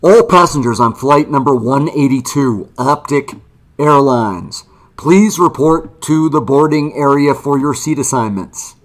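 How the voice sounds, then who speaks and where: A man's voice: mid-range voice, unhurried, pitched below the performer's own voice, close to an everyday voice. A man putting on the voice of an airport announcer making formal boarding calls over the intercom. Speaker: host running a trading card break.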